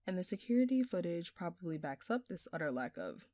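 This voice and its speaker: A woman's voice: on the low side, sing-song, brisk, dark tone, dry recording, clean studio sound. A woman playing a smug, flirtatious jewel thief who taunts a detective with teasing, sarcastic, theatrical phrasing in an audio roleplay. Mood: smug, speculating. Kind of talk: scripted audio roleplay addressed to the listener.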